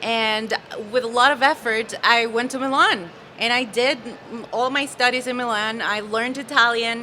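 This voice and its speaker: A woman with a Spanish accent talks at a high pitch over noticeable background noise. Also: fairly even intonation, moderate pace. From El Salvador. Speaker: apparel company creative director. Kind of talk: casual interview chat. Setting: live stream.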